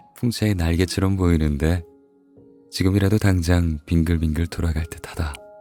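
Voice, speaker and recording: Over music in the background, a man with a very deep, low pitch speaks in a calm, soothing tone with fairly even intonation at a moderate pace. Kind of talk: audiobook reading for sleep. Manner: soft, calm, soothing.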